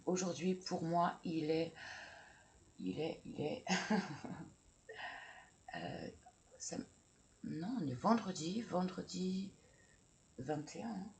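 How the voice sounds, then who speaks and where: A woman's voice: lowish voice, very slow, gravelly, pauses often, darkish tone, a little hiss or hum. A woman reading oracle cards in a casual chatty way, hesitant, with many fillers and self-corrections. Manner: chatty, laughs at herself. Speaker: oracle card reader.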